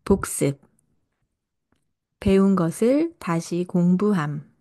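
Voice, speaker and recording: A woman reading a scripted podcast lesson for language learners, speaking slowly and carefully. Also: fairly low pitch, animated, mellow. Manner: slow, careful delivery for learners. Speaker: Korean language teacher and podcast host.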